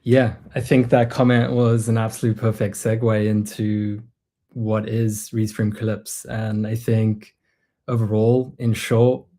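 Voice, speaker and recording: Low, flat-voiced male co-host. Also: unhurried. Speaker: live stream co-host. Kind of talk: casual live stream presentation.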